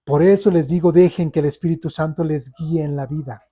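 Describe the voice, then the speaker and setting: A Mexican-accented man preaches a church sermon, speaking emphatically and often pausing to check that his listeners follow. His voice sits somewhat high yet sounds dark and mellow, with a husky edge. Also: steady tone. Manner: emphatic preaching with frequent rhetorical check-ins. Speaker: pastor.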